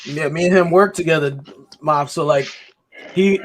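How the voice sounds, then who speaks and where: A man hosting a wrestling podcast, trading jokes and telling stories in casual chat. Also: fairly high pitch. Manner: joking, storytelling, drawn-out intros. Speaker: podcast host.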